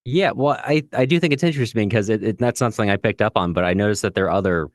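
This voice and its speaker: A man's voice: on the low side, rapid-fire, dry recording, clean studio sound. A man hosting a podcast in conversational literary discussion, thoughtful and a little tentative in how he puts his points. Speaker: podcast host.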